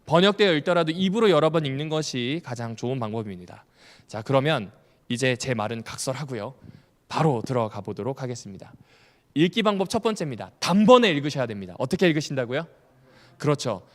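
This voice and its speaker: A man's voice: medium pitch, animated, quick pace. A male pastor giving a Bible study lecture, asking the audience questions and repeating key points, with humorous asides. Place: church hall. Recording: long hall reverb.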